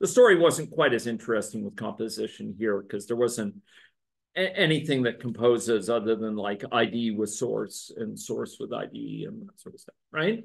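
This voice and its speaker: With big swings in loudness, a man talks at a moderate pace against a quiet background. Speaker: lecturer. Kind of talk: lecture. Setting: university class with students. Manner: halting, filler-heavy. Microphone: video call.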